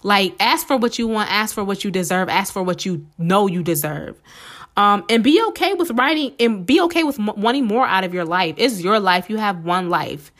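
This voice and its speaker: A woman hosting a casual solo podcast, chatty and encouraging with many fillers, her voice slightly hoarse from a cold. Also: medium pitch, expressive, moderate pace, fairly bright tone. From United States. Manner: chatty and encouraging, many "um"s, addresses listeners as "y'all". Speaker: podcast host.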